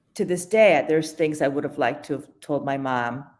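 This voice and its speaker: A woman speaks with ordinary pitch variation. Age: 60s. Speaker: cancer survivor. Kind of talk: interview testimony. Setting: live stream.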